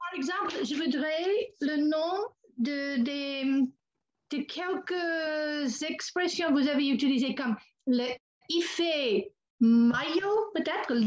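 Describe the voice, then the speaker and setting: An American accent at a very slow pace, with lively intonation and long, frequent pauses. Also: woman, high pitch for a woman. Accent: American accent in French, noticeable. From United States. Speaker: webinar attendee asking questions. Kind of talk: Q&A question. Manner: halting.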